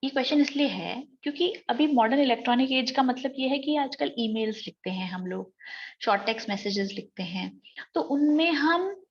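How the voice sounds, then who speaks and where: A woman's voice: sits high, muffled recording, slight background noise. A woman teacher with an Indian English accent, giving an exam-prep lecture and explaining step by step. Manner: explains step by step, reads sentences out slowly.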